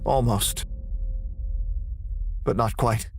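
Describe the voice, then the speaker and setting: A man's voice: mid-range voice, steady tone, very slow, a little hiss or hum. A man performing scripted, dramatic first-person narration for a horror audio drama.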